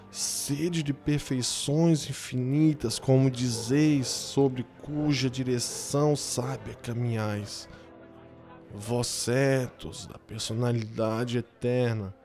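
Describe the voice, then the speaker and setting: An actor in a radio drama playing a bitter, sickly former professor, speaking in a formal, grandiloquent way. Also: male voice, mid-range voice, dark tone, lightly acted. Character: bitter sickly male suicide, eloquent sceptical former dialectics professor. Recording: faint music under the voice.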